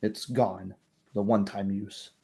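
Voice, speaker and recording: A man narrating a tabletop roleplay game as game master in a measured, descriptive way. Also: lowish voice, little pitch movement, gravelly, a little mellow, breathy edge.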